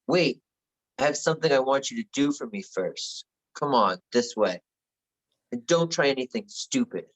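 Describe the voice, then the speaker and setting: A mid-pitched voice from a man acting as a teenage bully boy in a screenplay read. He is blunt, curt and menacing. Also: expressive, normal speed, close to an everyday voice, low-quality recording. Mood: curt, threatening. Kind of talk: virtual table read of a screenplay.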